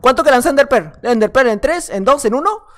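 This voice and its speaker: A young man giving excitable gameplay commentary at home, chatting nonstop, repeating words and breaking into shouts. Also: extremely high pitch, fairly quick. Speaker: gaming YouTuber. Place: at home at night.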